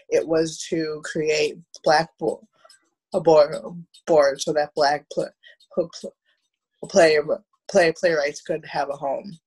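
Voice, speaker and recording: Husky, stammering American woman, gravelly voice. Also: low-pitched, a little mellow, rough recording. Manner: stammering, repeating syllables and words. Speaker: theatre producer and panel guest. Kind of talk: roundtable discussion. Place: small room at home, on a video call. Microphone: video call, wearing headphones.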